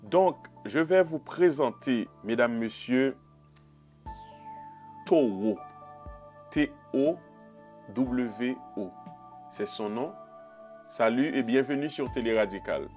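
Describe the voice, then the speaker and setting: A man's voice: mid-range voice, lively intonation, slow, pauses often, a little mellow, soft background music. A man hosting a studio talk show, speaking to the audience in a theatrical way. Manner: theatrical, addresses the audience directly.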